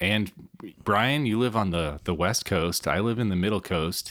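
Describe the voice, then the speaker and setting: A man speaks at a fairly low pitch with ordinary pitch variation. His pace is fairly slow. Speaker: podcast host. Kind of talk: casual chat.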